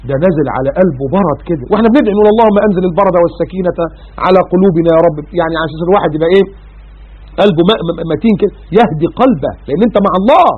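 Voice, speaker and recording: Fast-talking Egyptian preacher on a tinny line. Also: male voice, high-pitched, slightly rough. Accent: Egyptian Arabic. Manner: animated, acts out everyday voices and rhetorical questions. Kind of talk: colloquial religious lesson. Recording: phone-like narrow audio.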